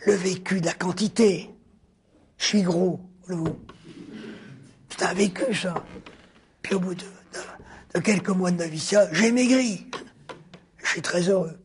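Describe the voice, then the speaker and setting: A man giving a spoken philosophy lecture, drawn out and rhetorical, repeating key words and dropping suddenly into a hushed near-whisper. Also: high voice, slight background noise. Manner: deliberate, drawn-out phrasing with sudden hushed drops.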